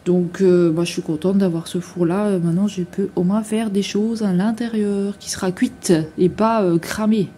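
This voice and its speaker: A woman in her thirties rambles chattily through a home vlog in her kitchen, full of fillers and slangy asides. Her voice is mellow and soft-edged, at an ordinary pitch, with a faint hiss of noise underneath. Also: fairly even intonation, normal speed, few pauses. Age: 30s. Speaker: vlogger.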